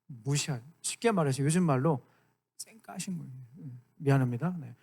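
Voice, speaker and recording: A man in his thirties, a youth pastor giving a lively sermon to high school students and often asking them to agree. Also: brisk, slightly rough. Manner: animated, keeps asking the room for agreement; acts out quoted lines in dramatic voices.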